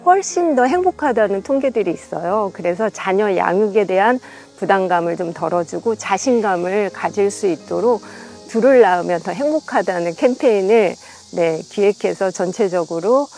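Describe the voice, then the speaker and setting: A woman program organizer in an interview, explaining in a steady, even way with the odd filler. Her voice is mid-pitched, with faint music in the background. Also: normal speed, hardly any pauses.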